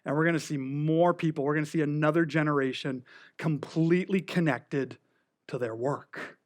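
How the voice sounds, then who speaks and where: A middle-aged man preaching a sermon with a slight lisp and a voice pitched a bit high. He swings between loud, lively stretches and near-whispers, with a joking, self-deprecating touch. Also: moderate pace. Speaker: pastor.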